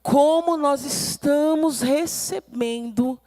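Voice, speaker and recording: Woman, Brazilian Portuguese accent, middle-aged, pastor, high voice, emphatic sermon delivery. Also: takes it slowly, warm tone. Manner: emphatic, acts out quoted voices. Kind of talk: sermon teaching.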